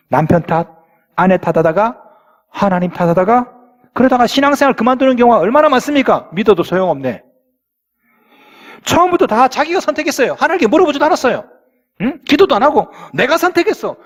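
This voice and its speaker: Animated high-voiced pastor preaching. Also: male voice. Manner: animated preaching, rhetorical questions to the congregation. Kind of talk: sermon. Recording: long church reverb.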